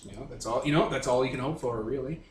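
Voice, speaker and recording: A man playing a breezy, flattering radio talk-show host who chats indulgently with his guests in a showman's patter. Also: mid-range voice, fast, roomy sound, a little hiss or hum, close to an everyday voice. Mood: chatty, flattering. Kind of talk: radio interview role-play.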